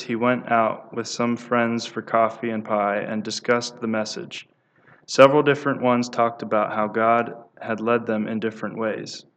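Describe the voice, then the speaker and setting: In this devotional talk, a medium-pitched man works steadily through prayer stories, reading them aloud though he occasionally stumbles and starts over.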